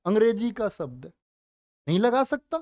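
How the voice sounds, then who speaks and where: A man's voice: high-pitched, very animated, normal speed, darkish tone, dry recording, studio quality. A man teaching a grammar class online, coaxing and repeating questions to his students. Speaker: Hindi teacher.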